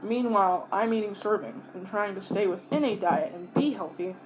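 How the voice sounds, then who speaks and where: A woman talks casually to her audience during a meal, in an average-pitched voice. She rambles and pauses to chew between bites. Her wording is blunt and peppered with swearing, and faint noise sits behind the recording. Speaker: mukbang vlogger. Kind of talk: casual rambling chat to viewers while eating.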